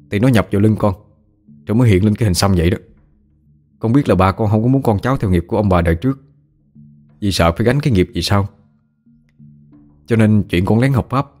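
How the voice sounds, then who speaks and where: A man with a fairly low voice performs the dialogue of a spoken story. He moves between characters and changes his tone for each one. Soft music plays faintly behind him. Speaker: voice actor in an audio story. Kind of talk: dramatic story reading.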